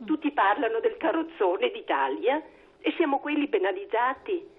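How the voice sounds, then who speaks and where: A woman in her sixties from Veneto, calling in over the phone to a talk show, indignant and halting with many fillers. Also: on the high side, very animated, breathy edge. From Veneto, Italy. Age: 60s. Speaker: caller. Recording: tinny phone line.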